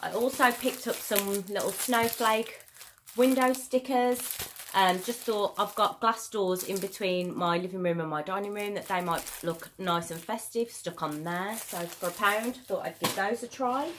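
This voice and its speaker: A woman, a bit croaky from a cold, chatting casually through a shopping haul video with frequent ums. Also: mid-range voice, measured pace, background noise. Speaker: YouTuber.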